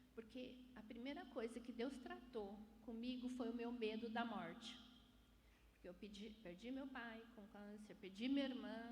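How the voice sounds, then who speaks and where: Soft-spoken, a woman with a fairly high pitch and fairly even intonation talks at a moderate pace with long, frequent pauses and audible room echo. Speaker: church member giving testimony. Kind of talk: testimony. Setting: church service.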